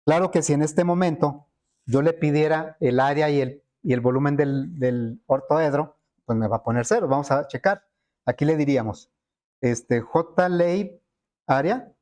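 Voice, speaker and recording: A man walks students through code in a screen-recorded lesson. His voice sits a little high for a man, and he thinks aloud, pausing on fillers and checking in with his class as he goes. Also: darkish tone. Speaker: programming teacher.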